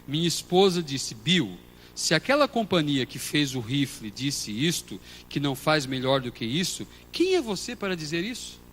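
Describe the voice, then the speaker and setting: A Brazilian man preaching a sermon as pastor, moving between quiet storytelling and loud shouted passages. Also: on the high side, sing-song, normal speed, slight background noise. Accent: Brazilian Portuguese. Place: church hall.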